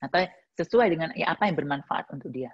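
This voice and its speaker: A woman's voice: low voice, expressive, fast talker, slightly rough, lo-fi sound. A woman giving a casual, reflective talk, answering a listener's question with plenty of everyday examples. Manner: conversational, uses many examples and fillers.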